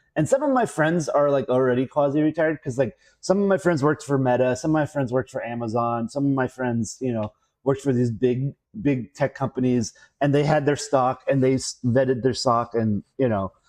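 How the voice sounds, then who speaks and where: A man's medium-pitched voice at a fairly quick pace, with ordinary pitch variation, over a quiet background. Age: 40s. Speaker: livestreamer coding and gaming. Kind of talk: casual livestream chat. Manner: hesitant with many fillers.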